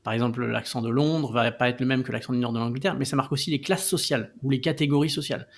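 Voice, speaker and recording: Give me an average-pitched man explaining casually, with plenty of fillers. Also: quick pace. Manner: explanatory, many fillers and restarts. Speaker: guest, co-founder of a language site.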